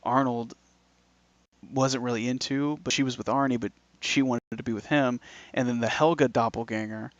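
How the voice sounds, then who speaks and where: A man's voice: mid-range voice, moderate pace, dry recording, dull audio. A man on a casual podcast chat, telling stories with lots of swearing. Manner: swears a lot, animated storytelling. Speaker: podcast co-host.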